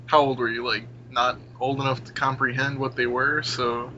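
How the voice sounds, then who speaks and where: A man's voice: mid-range voice, flat delivery, normal speed, bright, forceful tone. A young man in a casual gaming discussion, giving opinions in an emphatic, slangy, informal way. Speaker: podcast panelist. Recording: muffled audio with clear background noise.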